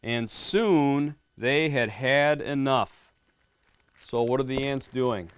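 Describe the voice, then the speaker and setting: Friendly middle-aged male cop reading a picture book to a classroom; mid-pitched, dry sound. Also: slow pace, smooth, dry recording. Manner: friendly, quizzing the kids, often asks "right?". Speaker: police lieutenant reading to students. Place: elementary school classroom.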